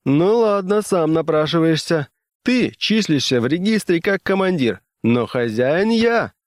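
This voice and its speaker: A man's voice: fairly high pitch, animated, measured pace, no room sound, studio quality, pitched above the performer's own voice. Man doing a smug scheming tycoon. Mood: mocking. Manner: mocking, commanding. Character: rich, menacing male ship owner, scheming and smug.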